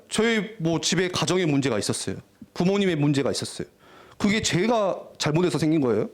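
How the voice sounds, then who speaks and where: A young man preaching a lively, jokey youth sermon in a church, often acting out teenagers' voices. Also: high voice. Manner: animated, jokey, acts out teen voices. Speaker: youth pastor. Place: church worship hall.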